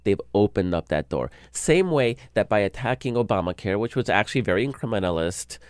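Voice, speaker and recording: A man from El Salvador, a political blogger, talks earnestly with a smooth, resonant voice in a casual discussion. His voice sits a little low, and the dry recording keeps it close. He restarts and repeats words as he works through his points. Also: expressive, brisk, dry recording.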